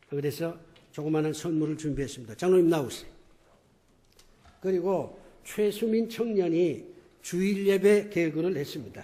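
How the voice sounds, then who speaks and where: Dark, mellow, high male voice at a moderate pace, with ordinary pitch variation, long, frequent pauses and audible room echo. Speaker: pastor. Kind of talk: church announcements. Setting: church.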